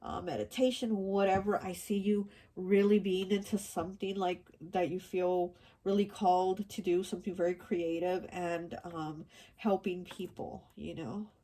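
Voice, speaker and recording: A woman with a somewhat low, husky voice gives a casual pick-a-card tarot reading. She sounds stuffy and nasal from allergies. She rambles, restarting sentences and filling gaps with "um" and "you know.". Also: level tone, moderate pace, warm tone. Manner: rambling, many fillers and restarts. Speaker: tarot reader.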